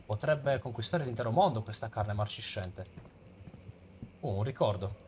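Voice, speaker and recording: A man's voice: on the low side, animated, moderate pace, a little mellow, slight background noise. A man with an Italian accent, jokingly playing a horror game and reading its texts aloud in a dramatic voice. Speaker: let's play gamer.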